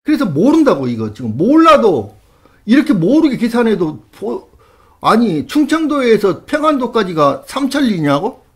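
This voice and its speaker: A man with a gravelly, slightly raised voice reads old records aloud and keeps stopping to dispute them. He talks with an incredulous, argumentative push and pushes certain points loudly. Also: high-pitched. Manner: incredulous, argumentative, quick rises to loud emphasis. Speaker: history channel host. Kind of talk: reading old texts aloud with commentary.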